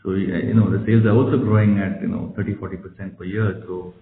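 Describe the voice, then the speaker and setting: A very deep-voiced man answers investors in a blunt, emphatic way, circling back over his phrases. He sounds like he is in an echoing room on a muffled phone line with some hiss. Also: steady tone, quick pace, vocal fry. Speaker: company executive answering investor questions. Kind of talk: earnings conference call answers. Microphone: conference call phone. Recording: roomy, noisy, muffled conference phone line.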